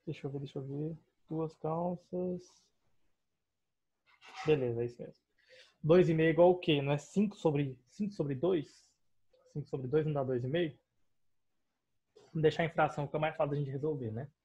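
A young man with a Brazilian accent teaches a math lesson over a screen recording. His voice sits a little high and sounds husky. He moves through each step patiently and keeps checking in with his students. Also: normal speed, pauses often, mellow, lo-fi sound. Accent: Brazilian Portuguese. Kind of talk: online math class explaining on a digital board.

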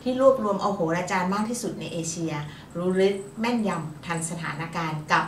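An astrologer co-host with a fairly low, lively voice talks briskly in a chatty, upbeat way, laughing easily. The casual chat is recorded off-mic in an echoey room, with a little hiss or hum.

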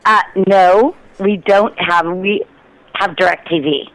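A woman's voice: lowish voice, steady tone, slow pace, no echo. A woman arguing on a phone call, indignant and sarcastic, as the target of a prank call. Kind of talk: angry phone argument.

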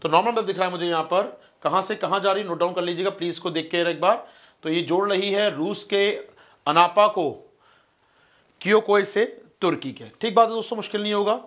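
A man teaching an online exam-prep class, talking fast, asking questions and answering them himself. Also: high voice, a bit bright. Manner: fast-talking, keeps calling listeners friends. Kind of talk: online lecture explaining a map.

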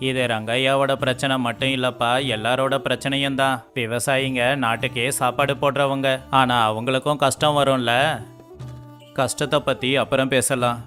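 Flat-voiced man reading story dialogue. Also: medium pitch. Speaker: voice actor for all male figures. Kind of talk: scripted dialogue of an animated moral story. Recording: faint music underneath.

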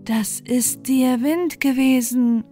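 A woman's voice: high-pitched, slow pace, warm tone, faint music behind, pitched above the performer's own voice. A woman voicing a worried, plaintive old village woman in a fairy tale.

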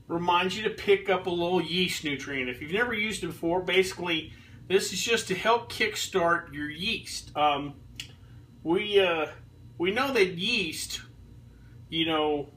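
Guy in his 30s reviewing beer at home, kinda bright voice, sits back from the camera mic, lots of ums. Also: sits high, far from the mic. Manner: relaxed, rambling, many ums and restarts. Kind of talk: casual beer review vlog. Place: home kitchen, indoors. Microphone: fixed camera a few feet away.

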